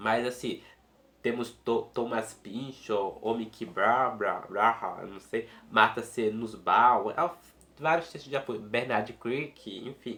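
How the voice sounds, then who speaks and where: Speaking very slowly, a man shows ordinary pitch variation. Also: medium pitch for a man. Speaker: book reviewer, YouTuber. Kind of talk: book review monologue. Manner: halting.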